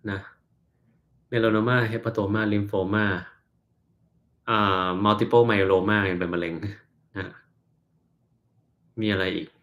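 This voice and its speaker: A man with a fairly low voice hosts a casual livestream, answering viewers' questions one after another. He talks in an unhurried, easygoing way, softening his answers with polite little particles. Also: steady tone. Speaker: doctor hosting a livestream Q&A.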